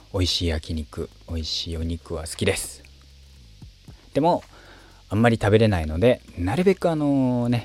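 The recording is very clean, with a silent background. A man speaks in a relaxed tone at a fairly slow pace, his intonation lively. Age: 20s. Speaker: podcaster. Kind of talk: casual monologue. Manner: relaxed, chatty.

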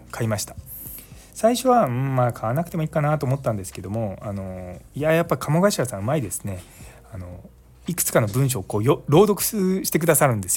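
At a fairly quick pace, a man with a medium pitch and a somewhat breathy voice makes very wide pitch swings and big swings in loudness on a very clean recording with a silent background. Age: 40s. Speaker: anesthesiologist podcaster. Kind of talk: casual solo talk.

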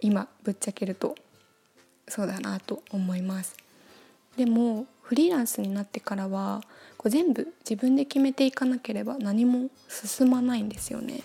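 A woman's fairly high, dark, mellow voice at a moderate pace, relaxed in tone, with ordinary pitch variation and big swings in loudness. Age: 20s. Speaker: freelance web designer and podcaster. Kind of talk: casual solo podcast talk. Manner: relaxed, easygoing.

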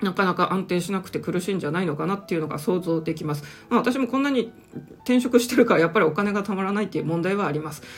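A woman talks at a very fast pace in a medium pitch with lively intonation. Noticeable background noise runs beneath her. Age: 40s. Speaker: career counselor and podcast host. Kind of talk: solo podcast talk.

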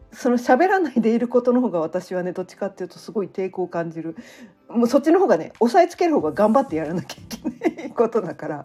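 A woman speaking very fast at a fairly high pitch, with very wide pitch swings and big swings in loudness. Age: 50s. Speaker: astrology coach and podcaster. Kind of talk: casual solo talk. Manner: animated, laughing often.

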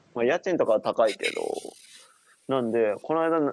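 A dry, close sound with no echo, and a man talking at a fairly quick pace. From Kyushu, Japan. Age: 30s. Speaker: former pro footballer, YouTuber. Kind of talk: casual chat.

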